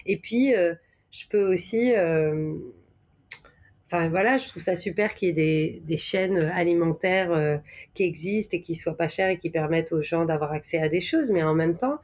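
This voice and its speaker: Woman with French accent, slightly low voice. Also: moderate pace, a little mellow. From Normandy, France. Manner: hesitant, searching for words, emphatic on key words. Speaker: podcast guest. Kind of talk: reflective conversational interview.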